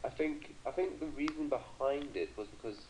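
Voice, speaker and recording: A man's voice: mid-range voice, normal speed, darkish tone, a little hiss or hum, rough recording. A British man chatting on a call, teasing his friend with dry banter. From Britain. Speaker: co-commentator on a call. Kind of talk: casual chat.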